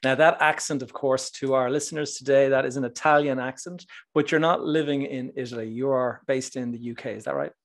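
A man hosting a podcast, talking in an earnest, measured way with the odd restart. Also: mid-range voice, fairly even intonation. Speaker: podcast host. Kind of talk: casual podcast interview.

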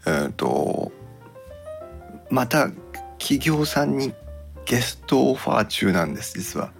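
A man hosting a podcast in casual chat, explaining things haltingly in polite but relaxed speech. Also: mid-range voice, creaky, faint music behind. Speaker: podcast host.

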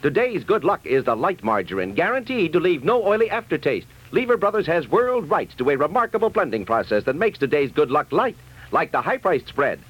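Lively American radio pitchman. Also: fairly quick, slightly rough, rough recording. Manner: polished, emphatic salesmanship. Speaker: commercial announcer. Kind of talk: scripted 1950s radio advertising. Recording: 1950s radio broadcast recording.

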